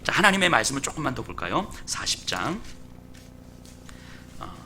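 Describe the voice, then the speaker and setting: Lively, bright-voiced male pastor preaching. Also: mid-range voice, moderate pace, a little hiss or hum. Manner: conversational, asks the congregation questions; animated storytelling. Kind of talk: expository sermon.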